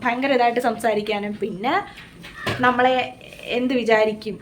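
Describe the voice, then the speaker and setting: Soft-spoken woman vlogging in her garden. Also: on the high side, steady tone, normal speed, slight background noise. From Kerala, India. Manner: soft-spoken, musing and confiding. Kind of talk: casual vlog chat to camera. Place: outdoors in a home garden.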